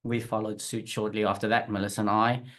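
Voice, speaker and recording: Low-voiced South African man telling his story. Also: fast talker. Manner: relaxed storytelling with frequent restarts and fillers. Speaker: interview guest, web design business owner. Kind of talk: casual interview chat.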